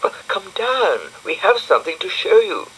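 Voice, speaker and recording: Man doing a bossy little girl, high squeaky voice, chiding, urgent, lively pitch. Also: normal speed, a little hiss or hum, poor audio. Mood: urging.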